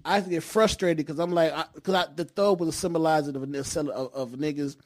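This man from Detroit, United States, speaks with an African American accent in a casual conversation. His voice is on the high side and darkish, with a steady tone and a quick pace. He is emphatic and repeats himself, frequently tagging on checks that he's understood.

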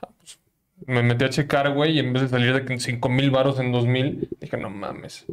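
A man's voice: mid-range voice, flat delivery, fairly quick. A young man with a Mexican accent, co-hosting a casual podcast, teasing the others with heavy slang and swearing. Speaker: podcast co-host. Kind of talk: casual chat.

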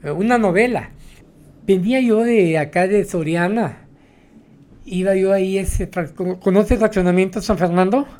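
A man's voice: high voice, moderate pace, darkish tone. A man, a taxi driver, telling his stories in a rambling way, tagging his sentences with "¿no?". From Mexico. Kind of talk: storytelling interview.

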